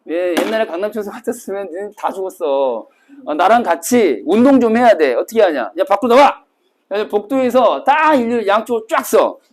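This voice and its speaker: Man, cram school teacher, classroom lecture, swinging lively pitch, storyteller's delivery. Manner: lively storytelling, acting out scenes with sudden shouts. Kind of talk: classroom lecture to exam retakers.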